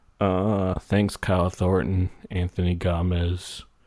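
Over a quiet background, a man speaks with a very deep, low pitch. His intonation is fairly even. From New York. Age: 20s. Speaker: musician. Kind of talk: casual interview. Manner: casual, slangy.

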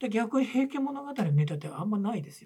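Quickish in pace, a man speaks with a dark, mellow tone and very wide pitch swings. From Kumamoto, Japan. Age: 60s. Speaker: satsuma biwa musician. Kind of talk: interview.

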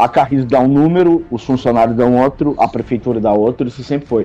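A man's medium-pitched voice with ordinary pitch variation, set against noticeable background noise. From southern Brazil, Porto Alegre. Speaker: state deputy and mayoral candidate. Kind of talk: interview. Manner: casual, conversational.

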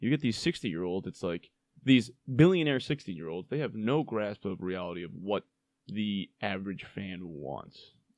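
Over a quiet background, a man with a fairly low voice and lively intonation speaks at a moderate pace, with big swings in loudness. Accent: American. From small-town US. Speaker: sports podcast host. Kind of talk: casual chat. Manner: animated.

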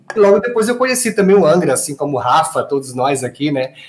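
A man talks fairly quickly with lively intonation while noticeable background noise carries on behind him. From Florianópolis and Belém, Brazil. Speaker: metal band vocalist. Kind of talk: casual interview chat.

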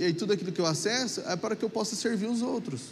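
A high-pitched man at a very fast pace with lively intonation, with audible room echo and noticeable background noise. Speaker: pastor. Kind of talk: sermon.

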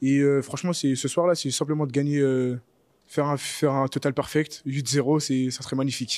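A fairly high-pitched man at a moderate pace. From Paris suburbs, Val-de-Marne. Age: 20s. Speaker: amateur MMA fighter. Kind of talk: interview. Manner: halting.

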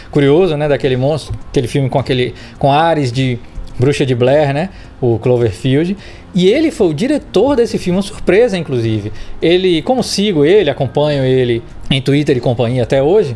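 This man has an unremarkable speaking voice at a fairly high pitch. He talks at a moderate pace with lively intonation. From Brazil. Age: 40s. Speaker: podcast host. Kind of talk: solo casual podcast monologue.

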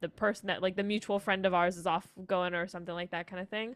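Over a quiet background, a woman with an American accent speaks at a fairly low pitch with monotone, flat intonation. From Colorado, US. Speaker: podcast co-host, college student. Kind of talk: casual chat. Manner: casual, filler-heavy 'like'.

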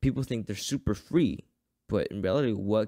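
A man speaks with a fairly low pitch and a dark, mellow tone. His intonation is lively. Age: 20s. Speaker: podcast host. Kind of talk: solo monologue. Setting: home studio with headphones. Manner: casual, rambling with stumbles.

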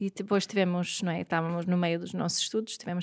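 A woman at medium pitch with fairly even intonation, dry and close with no echo, on a very clean recording with a silent background. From Sweden. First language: Swedish (speaking Portuguese). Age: 40s. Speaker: parenting author and educator. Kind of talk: casual interview chat.

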